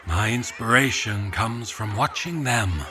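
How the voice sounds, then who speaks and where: A man playing a sly, controlling gentleman shopkeeper in an audio drama, with a husky voice and formal, menacing politeness. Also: on the low side, expressive. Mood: inviting, sly. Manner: formal, smooth-talking, deliberate wording. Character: sly, controlling, menacing fancy gentleman puppet-shop owner. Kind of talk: scripted audio drama dialogue.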